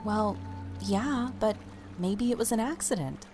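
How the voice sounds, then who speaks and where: An actress playing a soft-hearted, tired young woman in an audio drama, mild and gently protesting. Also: mid-range voice, measured pace, music in the background, natural voice. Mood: mild, sleepy. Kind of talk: naturalistic audio drama acting.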